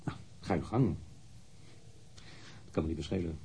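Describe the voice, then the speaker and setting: An actor playing a blunt, candid man in his thirties, a witness answering police questions matter-of-factly in a husky voice in a radio drama. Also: rumbling low, moderate pace, warm tone, a little hiss or hum. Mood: matter-of-fact, precise. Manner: matter-of-fact, precise, blunt. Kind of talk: radio drama interrogation acting.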